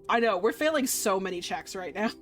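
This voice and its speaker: A woman's voice: mid-range voice, expressive, brisk, fairly bright tone. A woman reading visual novel narration aloud as a streamer, telling it expressively and gushing over the characters. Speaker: video game streamer doing a playthrough. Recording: music behind the voice. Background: game music.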